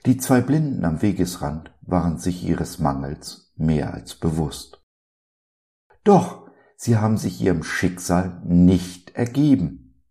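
A man's voice: sits low, very animated, slow, warm tone. A man hosting a devotional podcast, speaking in an earnest, preacherly way and asking many rhetorical questions. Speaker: podcast host.

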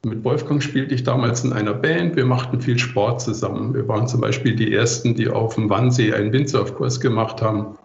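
Gravelly older man, dull roomy recording. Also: mid-range voice, fairly even intonation, a little fast, hardly any pauses. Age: 60s. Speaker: interview guest, composer. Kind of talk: reflective interview answers.

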